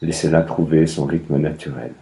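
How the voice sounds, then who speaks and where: A man guiding a relaxation meditation in calm, measured, spaced phrases. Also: very deep voice, gravelly. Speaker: yoga nidra meditation guide. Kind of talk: guided meditation, slow instructions.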